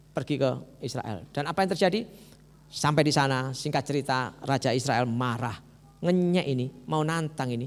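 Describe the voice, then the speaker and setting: Lively East Javanese preacher in a church hall. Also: male voice, a little high. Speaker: pastor. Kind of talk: sermon.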